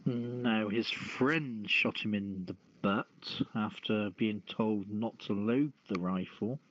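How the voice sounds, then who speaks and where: A man hosting a casual news podcast, reading stories and commenting in a halting, deliberate way. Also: fairly low pitch, no room sound. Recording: dull, lo-fi streamed audio.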